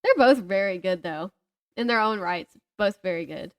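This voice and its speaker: A woman's voice: medium pitch, expressive, normal speed. A woman in her thirties chatting casually about books as a podcast co-host, giggly and gushing. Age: 30s.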